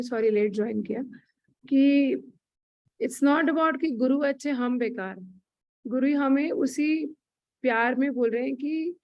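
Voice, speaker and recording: A woman offers her view in a spiritual session, gently explaining and slipping in English phrases. Her voice is high. The audio is dull and lo-fi, with a dry sound. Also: no room sound. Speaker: session participant.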